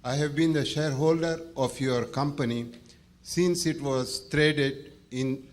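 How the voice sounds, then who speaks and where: A man from India putting a formal, carefully worded question as a shareholder at a public meeting. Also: medium pitch. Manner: formal, deliberate, courteous wording. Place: large meeting hall, at an audience microphone.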